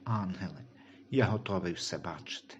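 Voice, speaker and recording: A man voicing a timid, trusting unborn baby boy in a Christian audio story, speaking softly and questioningly. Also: low-pitched, moderate pace, muffled recording, a little hiss or hum, pitched below the performer's own voice, close to an everyday voice.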